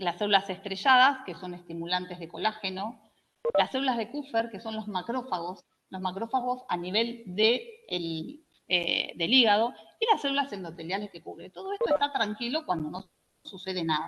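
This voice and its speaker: Her medium-pitched voice carries lively intonation. The woman's loudness swings widely. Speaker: medical lecturer. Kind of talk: lecture. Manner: fast.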